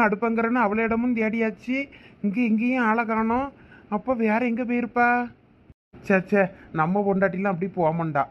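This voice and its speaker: Fretting village husband with a thoothukudi accent, high voice, kinda muffled lo-fi sound, a man doing it. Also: natural voice. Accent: Thoothukudi Tamil. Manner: anxious, talking to himself. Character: worried village husband searching for his wife. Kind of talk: cartoon voice acting. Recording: dull lo-fi sound.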